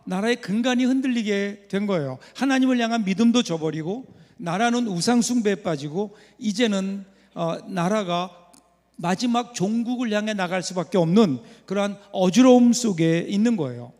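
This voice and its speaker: High-voiced pastor preaching in a reverberant church. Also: male voice, normal speed, a little mellow. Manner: storytelling with rhetorical questions to the congregation. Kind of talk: sermon. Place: church sanctuary. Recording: long reverb of a church hall.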